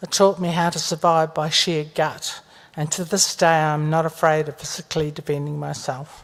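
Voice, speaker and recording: A moderate pace and monotone, flat intonation, with a New Zealand accent. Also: woman, very deep, low pitch for a woman. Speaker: lived-experience speaker. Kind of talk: personal testimony at public lecture.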